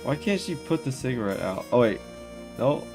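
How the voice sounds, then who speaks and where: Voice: medium pitch, big pitch swings, moderate pace, gravelly. A let's play host riffing over the game with sarcastic, profane asides. Game music plays faintly behind the voice. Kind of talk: casual gameplay commentary.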